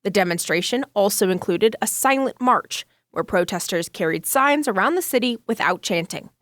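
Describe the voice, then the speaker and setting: A woman's voice: mid-range voice, lively intonation, normal speed, fairly bright tone, dry recording. An American woman narrating a scripted news report as a radio reporter.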